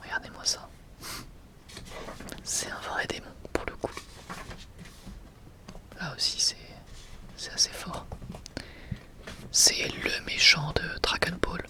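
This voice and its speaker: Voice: mid-range voice, huge pitch swings, slow pace, long pauses. An ASMR creator whispering breathily and close to the mic in a casual, rambling, enthusiastic way, often correcting themselves.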